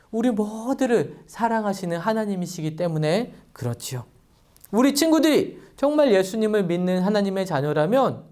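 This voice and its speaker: A woman preaching a children's sermon as a story, asking the kids questions as she goes. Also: medium pitch. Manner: lively, addresses children directly with questions. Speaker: children's pastor.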